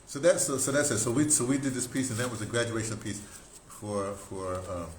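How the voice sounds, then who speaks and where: An older American man telling stories casually as a talk host, in an excitable, rambling way with broken, repeated phrases. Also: on the low side, a little fast. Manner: excitable, animated storyteller with broken, repetitive phrasing. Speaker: radio drama producer and talk host. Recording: roomy echo, clear background noise.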